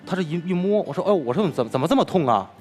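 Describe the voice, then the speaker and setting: Animated male storyteller. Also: a little high, rapid-fire, faint music behind. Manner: animated, retells dialogue with lively swings. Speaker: crosstalk performer, guest. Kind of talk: emotional storytelling in an interview.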